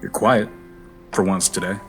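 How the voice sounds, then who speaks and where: Guarded melancholy guy, deadpan and terse, lowish voice, audio drama with faint music. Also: moderate pace. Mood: deadpan, dry. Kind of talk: naturalistic audio drama acting.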